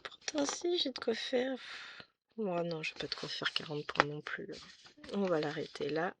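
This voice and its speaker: Woman, hoarse voice, tired, chatty crafting vlog, home recording, noticeable background noise. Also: fairly low pitch, very animated, measured pace. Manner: chatty running commentary, dropping into asides. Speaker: embroidery vlogger. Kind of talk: casual chat while stitching.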